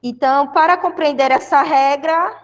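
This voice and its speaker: High-voiced Brazilian teacher in a reverberant classroom. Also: female voice, moderate pace. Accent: Brazilian Portuguese. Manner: explains step by step, checks in with "tá?" often. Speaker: school Portuguese teacher. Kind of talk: classroom grammar lesson.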